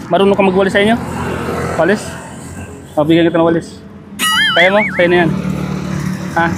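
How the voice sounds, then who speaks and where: Guy vlogging on a hot street, kinda high voice, keeps asking short "ok?" questions, nice and encouraging. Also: steady tone, fairly quick. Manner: coaxing, short repeated check-in questions; encouraging and kindly. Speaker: vlogger handing out gifts. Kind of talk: casual on-the-street chat. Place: outdoors on a sunny street. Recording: background music under the voice.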